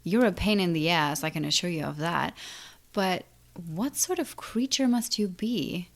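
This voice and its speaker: A woman's voice: lowish voice, expressive, a little slow. A woman playing an ancient, menacing siren in an audio drama, taunting and condescending with a theatrical drawl. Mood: intrigued, gloating. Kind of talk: audio drama villain acting.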